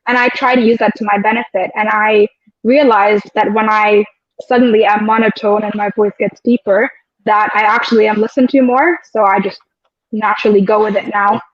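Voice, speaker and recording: A woman's voice: mid-range voice, steady tone, normal speed, dry recording. A young adult woman from the United Arab Emirates, a guest in a casual interview, speaking reflectively and telling stories with quoted asides. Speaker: guest, air traffic control officer. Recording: dull lo-fi, dry sound.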